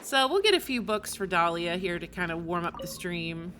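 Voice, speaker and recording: A woman's voice: fairly low pitch, expressive, moderate pace, fairly bright tone, soft background music. A woman livestreamer chatting casually with her viewers while she plays a game.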